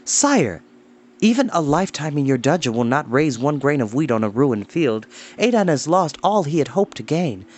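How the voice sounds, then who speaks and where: A man's voice: fairly high pitch, sing-song, moderate pace, a little mellow. A man reading a storybook aloud and voicing an earnest young pig keeper who pleads his case respectfully.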